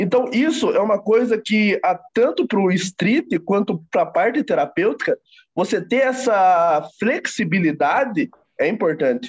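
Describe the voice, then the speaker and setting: A high-pitched male voice with very wide pitch swings and very even loudness, fairly slow, in a dry, close sound with no echo. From Brazil, Sorocaba (São Paulo state). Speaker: hypnotist, workshop participant. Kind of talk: casual group chat. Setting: video call.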